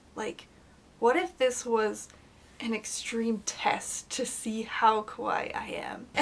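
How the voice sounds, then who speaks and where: A woman's fairly high voice at a very slow pace, amid noticeable background noise. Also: ordinary pitch variation. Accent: American. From North America (US and Canada). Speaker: kawaii fashion YouTuber. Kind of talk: casual vlog commentary. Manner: animated.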